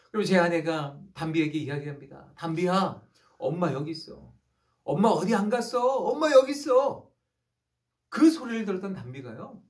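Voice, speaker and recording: A man in his thirties, a pastor preaching an online youth sermon with rising emphasis on key phrases. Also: sits high.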